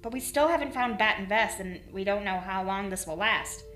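A woman's voice: medium pitch, moderate pace, fairly bright tone, close to an everyday voice. An actress playing a resourceful young woman trapped on a station, talking in a wry, practical way in an audio drama. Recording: roomy echo with faint music.

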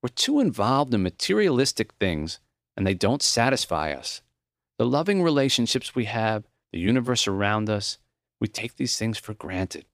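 A man reading the lines of a gentle, reflective old dying professor in a memoir audiobook, earnest and plain-spoken. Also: fairly low pitch, sing-song, normal speed, dry recording, clean studio sound. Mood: gently earnest.

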